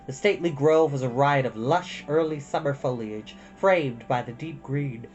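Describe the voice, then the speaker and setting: A woman reading a children's novel aloud as an expressive storyteller. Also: rumbling low, normal speed, dull audio, faint music behind. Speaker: storytime reader. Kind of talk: expressive scripted storybook narration.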